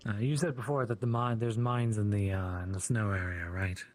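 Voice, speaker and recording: A man's voice: lowish voice, steady tone, normal speed, dry recording, lightly acted. A man playing a courteous, helpful fantasy adventurer in improvised roleplay, speaking politely and with some hesitation. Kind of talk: improvised virtual-world roleplay.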